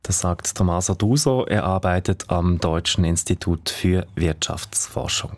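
A Swiss man presenting the radio news in a measured, formal way. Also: low voice. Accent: Swiss German.

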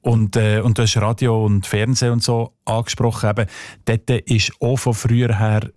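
A man's voice: on the low side, level tone, normal speed, darkish tone, no echo. A man with a Swiss German accent, a dialect expert explaining thoughtfully in a radio studio interview, with frequent hesitations.

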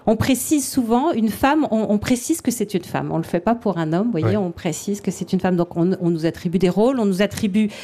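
A middle-aged woman, an author and literary translator, answering interview questions in a thoughtful, halting way with frequent restarts. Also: medium pitch, expressive, dark tone. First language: French.

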